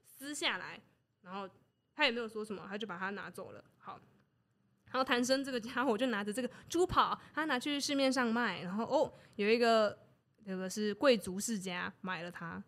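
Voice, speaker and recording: A woman's voice: mid-range voice, brisk. A woman co-hosting a casual podcast, retelling an old story with laughs and playful acted-out lines. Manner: lively, acts out characters' lines with laughs. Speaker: podcast co-host.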